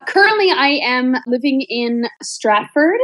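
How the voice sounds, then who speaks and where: Actress lady being interviewed, chatty answers, slightly high voice, dry sound. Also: lively intonation, a little slow, a bit bright, dry recording, rough recording. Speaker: interview guest, musical theater actress.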